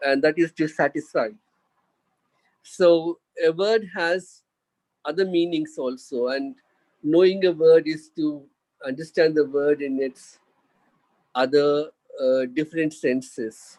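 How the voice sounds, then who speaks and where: Using a fairly high pitch and ordinary pitch variation, a man with an Indian accent talks at a fairly slow pace with long, frequent pauses. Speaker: English language professor. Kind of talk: lecture.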